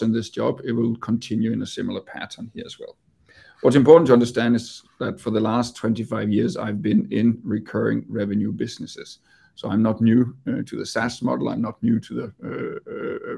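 Danish businessman presenting to investors on a video call; raspy, gravelly voice, halting delivery. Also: fairly low pitch, steady tone, warm tone. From Denmark. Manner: hesitant, repeats words while speaking. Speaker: company executive.

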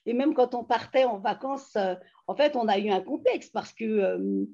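A woman's voice: on the high side, normal speed. A woman in her fifties from France, telling her life story animatedly in a casual video-call interview from home. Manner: animated, emphatic storytelling with many fillers. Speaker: interviewee, feminist activist. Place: home living room. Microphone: laptop webcam mic on video call. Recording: dull lo-fi video call audio.

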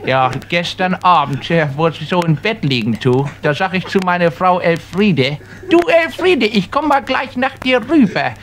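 A man voicing a very old man who proudly claims perfect health, in a shrill, strained voice. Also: lively intonation, normal speed, fairly bright tone. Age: older. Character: shrill ancient man, ninety-six, cheerfully proud.

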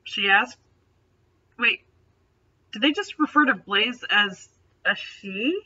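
A woman's voice: on the high side, expressive, slow, sharp tone, husky, dull audio. A young adult woman reading a story aloud with dramatic delivery and sarcastic, mocking asides. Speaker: host reading fan fiction aloud. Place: small bedroom, indoors.

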